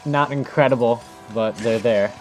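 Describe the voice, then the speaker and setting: A man's voice: medium pitch, normal speed. A man giving casual, improvised commentary as he demonstrates techniques in a video game, thinking aloud in an informal way. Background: music.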